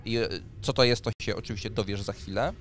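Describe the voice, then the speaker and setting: Speaking quickly in a lowish, fairly bright voice, this thirty-something game master explains the rules and narrates a tabletop RPG scene. The recording comes from a studio mic on a boom arm and has clear background noise.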